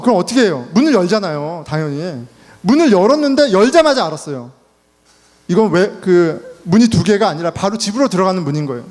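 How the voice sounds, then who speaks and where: A man's voice: high-pitched, darkish tone. A man preaching a sermon as a pastor, telling stories with self-mocking humor and acting out what people said. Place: church sanctuary. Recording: church hall reverb.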